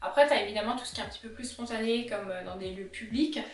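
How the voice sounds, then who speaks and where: An illustrator vlogger, a young woman with a strong Alsatian accent, talks casually and animatedly to her viewers at an ordinary middle pitch. She speaks fast, and the distant camera mic gives a roomy sound.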